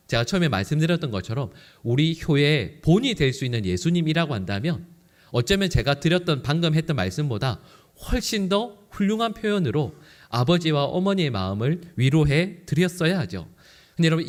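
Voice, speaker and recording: A male pastor preaching a Sunday sermon in church, asking his congregation rhetorical questions and acting out quoted lines. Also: on the high side. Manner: animated, acts out quoted lines. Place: church sanctuary.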